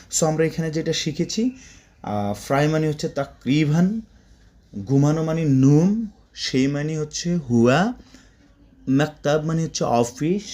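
Lively, mellow-voiced man teaching Arabic. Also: mid-range voice. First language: Bengali. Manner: repetitive, drilling words, chatty asides. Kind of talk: spoken Arabic lesson for Bangla speakers.

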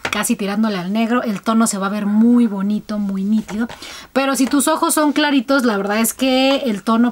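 A woman's voice: on the high side, slight background noise. A young woman chatting casually to her viewers while reviewing colored contact lenses, with frequent fillers.

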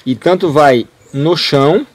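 A man's voice: fairly high pitch, a little slow, a loud crowd. A man with a Brazilian accent hosting a casual chat, prompting his guests and finishing their sentences. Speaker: host. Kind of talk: casual interview.

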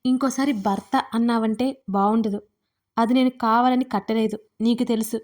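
A woman voicing a harsh, commanding young husband who scolds with sharp questions in an audio storybook. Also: a little high, steady tone, normal speed, lightly acted. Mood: angry, demanding.

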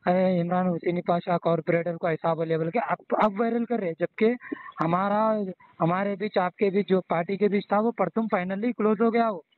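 Over a thin, narrowband phone connection, a Hyderabadi-accented man respectfully explains himself again and again. He has a high voice and a steady tone, speaking at a moderate pace with no echo.

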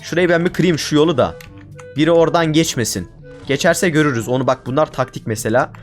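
A man's voice: a little high, quick pace, soft background music. A man giving casual commentary over his own gameplay, exasperated and ranting at his teammates. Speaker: gaming YouTuber.

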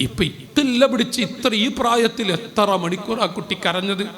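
A man's voice: high voice, normal speed, fairly bright tone. A man preaching a storytelling sermon, dramatic and fervent, rising at key moments. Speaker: Islamic preacher. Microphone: live PA microphone. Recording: long hall reverb.

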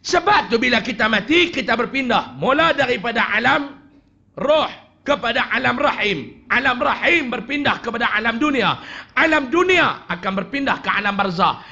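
A man, an animated religious teacher joking and shouting for emphasis at a desk microphone in a prayer hall. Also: very high-pitched, muffled recording. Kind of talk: religious lecture to a congregation. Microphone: desk microphone on a stand.

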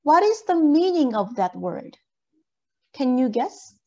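A woman's voice: high voice, very animated, takes it slowly, dark tone, dull audio. A woman lecturer giving an interactive online lesson in an encouraging way, checking understanding with questions. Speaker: university lecturer. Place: indoor video call.

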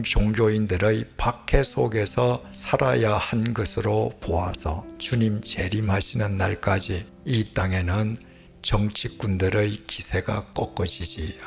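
Older man preaching, gravelly low voice. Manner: measured, earnest preaching, trailing off to a hushed, breathy whisper at sentence ends. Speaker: pastor. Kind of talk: sermon. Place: plain studio stage, indoors. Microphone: headset mic.

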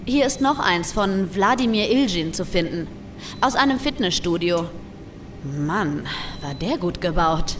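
A woman's voice: fairly low pitch, animated, unhurried, background noise. A woman acting in an audio drama as a quirky, self-assured network expert with a cheeky, nonchalant manner.

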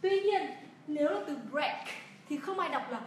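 A woman with a Vietnamese accent teaching English pronunciation in a livestreamed lesson, drilling each word slowly and repeating it. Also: high voice, lively intonation. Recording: echoey room, voice from a distance, faint hiss.

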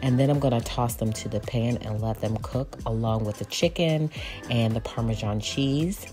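A woman's voice: very deep voice, moderate pace. A woman in her forties, a lifestyle vlogger, talking casually and homily about cooking and cleaning at home. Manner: chatty, relaxed, homey. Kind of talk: casual cook and clean narration. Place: home kitchen. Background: soft background music.

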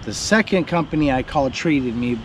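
A middle-aged man talks in a blunt, storytelling way from a camp chair in a yard. The camera sits a few meters off, so the sound is open and outdoorsy. Steady background noise runs under his voice. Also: mid-range voice, normal speed. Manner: blunt, storytelling, animated when recounting. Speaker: homesteading vlogger. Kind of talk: casual chat. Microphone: camera a few meters away. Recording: noisy outdoor camera audio.

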